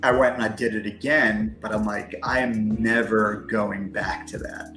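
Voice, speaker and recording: A man in his early forties, a guest in a casual interview, talking fast and filling his speech with "like" and "you know". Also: fairly low pitch, level tone, sharp tone, roomy sound, soft background music. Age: 40s.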